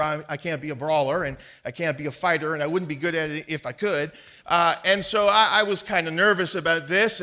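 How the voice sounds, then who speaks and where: A man's voice: a little high, pushed and bright. A man preaching a sermon as a pastor, telling a personal story in a folksy way and reading out Bible verses. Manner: storytelling, folksy, deliberate with repeated verse references.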